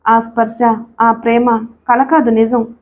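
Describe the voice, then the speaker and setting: A young wife in a storybook drama, tearful and stubborn, pressing her point again and again, as a woman narrator puts her on. Her voice sits a touch high and clear. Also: little pitch movement, a little slow, slight background noise, lightly acted. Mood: tearful pleading.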